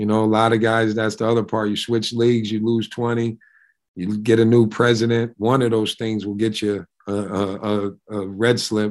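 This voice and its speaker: A man with an American accent speaks at a moderate pace in a medium pitch. His intonation is flat and monotone against a quiet background. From New York State (Binghamton). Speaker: college basketball head coach. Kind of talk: interview.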